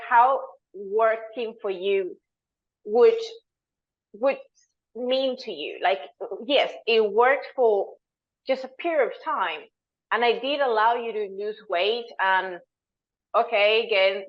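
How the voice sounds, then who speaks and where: A woman, from Venezuela, speaking as a dietitian guest. She explains earnestly at a mid-range pitch and often searches for her words. The audio is somewhat dull and lo-fi. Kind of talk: conversational interview answer.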